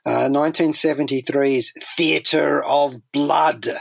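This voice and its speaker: A man's voice: on the high side, fairly even intonation, slow, gravelly, dry recording. A man hosting a pop culture radio show in a chatty, wordy way, with whimsical turns of phrase and wry asides. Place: dry radio studio.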